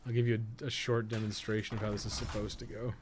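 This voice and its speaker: A man's voice: on the low side, level tone, fast talker. Man rambling through gameplay, noisy recording. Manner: rambling, muttering to himself as he plays. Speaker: host of a game guide livestream. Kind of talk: casual video game livestream commentary, thinking aloud.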